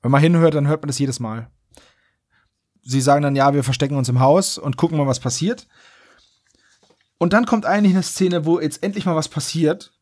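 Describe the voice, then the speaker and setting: A man's voice: on the high side, moderate pace, pauses often, a little mellow. A man hosting a podcast, recapping a story in a casual, wry, joking way. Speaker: podcast host.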